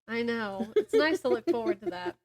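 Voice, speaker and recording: A woman co-hosting a podcast in casual chat, giggly and expressive in how she reacts to her friend. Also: a little high, moderate pace, vocal fry, crowd noise. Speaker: podcast co-host.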